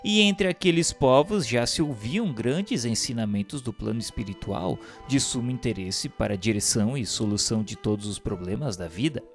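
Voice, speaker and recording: A man's voice: mid-range voice, animated. Solemn Brazilian male narrator over music. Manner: formal, measured, declamatory. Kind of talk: solemn scripted spiritual audiobook narration. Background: instrumental music.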